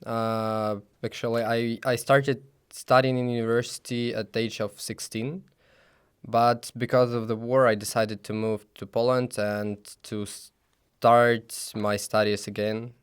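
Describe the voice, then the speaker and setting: A young man from Ukraine with a Ukrainian accent, answering interview questions haltingly with many fillers and restarts. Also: fairly low pitch, level tone, clean tone, dry recording, studio quality. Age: young adult. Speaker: student guest.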